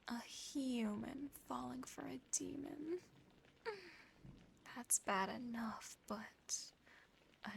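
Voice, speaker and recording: Woman doing a possessive demon girl asmr, creaky whisper, super slow n teasing, right up on the mic. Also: a little high, slight background noise, full character voice, rough recording. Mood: wistful, teasing. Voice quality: soft, breathy whisper.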